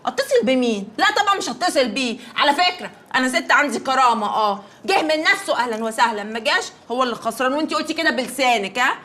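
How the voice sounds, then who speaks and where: A woman's voice: high voice, lively intonation, fast, hardly any pauses, pushed and bright. An actress playing a proud, stubborn young woman teacher who chats defensively about a suitor in a television drama. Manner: chatty, defensive, comic. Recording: TV drama with faint music.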